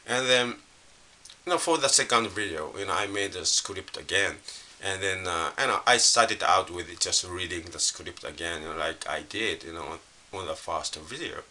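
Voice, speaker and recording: A middle-aged man from Japan with a Japanese accent, a native Japanese speaker, talking casually and unscripted to camera in a halting, repetitive way full of filler phrases. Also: low voice, sharp tone. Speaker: language learner vlogger. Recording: hissy recording with faint background noise.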